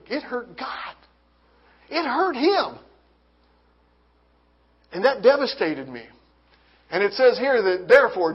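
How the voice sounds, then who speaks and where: Earnest man, high voice, dull recording. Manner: earnest, halting with restarts; reads scripture aloud. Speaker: testimony speaker. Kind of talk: personal faith testimony.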